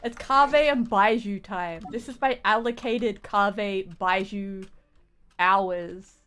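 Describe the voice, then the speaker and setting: A woman's voice: mid-range voice, slow, a bit bright, clear, resonant tone. A woman chatting casually as she live-streams a video game, rambling and often restarting her phrases. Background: game music.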